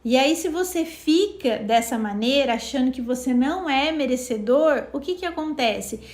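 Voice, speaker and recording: A woman's voice: high voice, normal speed, roomy sound. A woman co-hosting a self-help live talk, casually explaining and acting out little dialogues. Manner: animated, acts out little dialogues. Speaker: co-host of a self-knowledge live.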